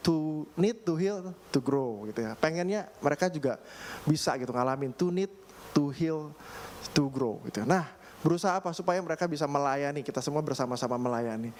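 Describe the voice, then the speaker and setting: A young man, a pastor, preaching a casual, storytelling sermon with lots of filler phrases and throat clearing. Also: a little high. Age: young adult. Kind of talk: conversational sermon. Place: church. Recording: faint background noise.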